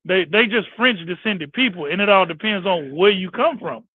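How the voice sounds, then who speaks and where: A man's voice: high-pitched, expressive, moderate pace, no room sound. A man on an online panel, chatting casually and explaining history with many restarts. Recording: tinny phone-line sound.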